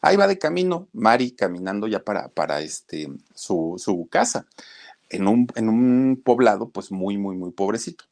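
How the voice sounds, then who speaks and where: A man's voice: lowish voice, very animated, normal speed, creaky, a little mellow. A man telling a moralizing story, chatting directly to his listeners.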